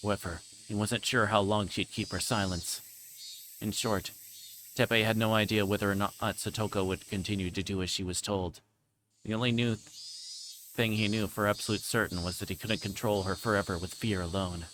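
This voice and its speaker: Lowish-voiced man reading a story aloud. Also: steady tone, normal speed, fairly bright tone, slight background noise, poor audio. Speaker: livestreamer. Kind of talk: reading visual novel narration aloud.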